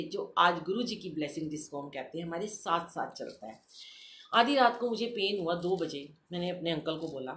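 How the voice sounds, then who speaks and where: A middle-aged woman giving a satsang talk, telling a personal story and acting out the dialogue with lively emotion. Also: lowish voice, slight background noise. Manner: animated, acts out quoted dialogue. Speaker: satsang speaker. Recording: echoey room with faint ambience.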